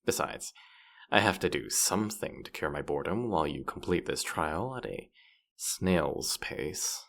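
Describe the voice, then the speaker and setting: A man's voice: sits low, lively intonation, unhurried, gravelly, fairly bright tone, full character voice. A man playing a playful, boastful demon guide to the afterlife in a roleplay audio drama, with a smug, teasing, theatrical delivery. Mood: taunting, amused.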